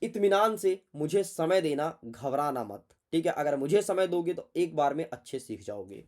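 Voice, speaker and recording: A man's voice: a little high, very animated, normal speed, darkish tone. A man teaching an exam prep lesson, chatty and playful, talking straight to his students and muttering to himself while he searches the text.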